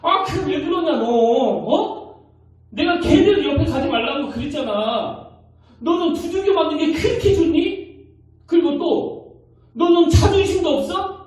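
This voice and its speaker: A man's voice: lively intonation, measured pace, a little mellow. Man putting on an exasperated scolding mother. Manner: scolding, shrill. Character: exasperated young mother scolding her daughter. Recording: echoey hall, mic from a distance.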